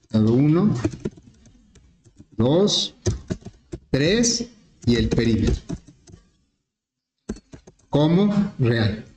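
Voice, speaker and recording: A male teacher explaining an algorithm step by step in a relaxed lesson, with frequent fillers. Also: fairly high pitch. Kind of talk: programming lesson. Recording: echoey classroom with faint noise.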